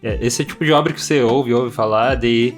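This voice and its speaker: A Brazilian man co-hosts a podcast in a casual, off-the-cuff way. His voice is medium in pitch and sounds informal and unscripted. Guitar music is clearly audible behind him as he talks. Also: fairly quick. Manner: informal, loosely improvised. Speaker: podcast co-host. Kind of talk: casual chat. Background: instrumental guitar music.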